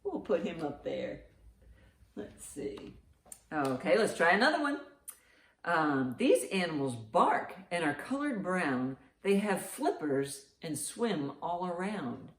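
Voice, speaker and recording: This storytime host speaks slowly in a lowish, sing-song voice while reading aloud and quizzing young children with riddles. Encouraging and exaggerated in her reactions to answers, she's captured in an echoing, roomy recording.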